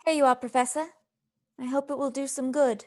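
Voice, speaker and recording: Woman as a high-voiced, gentle young wife. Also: level tone, fairly quick, close to an everyday voice. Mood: sad, resolute. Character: gentle, loyal young wife, composed and caring. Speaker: actor in a live radio play. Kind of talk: theatrical radio drama acting.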